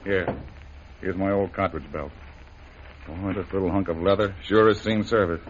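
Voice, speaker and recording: An actor playing a brisk, blunt adventurer in a vintage radio drama. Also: male voice, deep voice, steady tone, a little hiss or hum, natural voice. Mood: cheerful. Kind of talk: 1940s radio acting. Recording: muffled old radio recording.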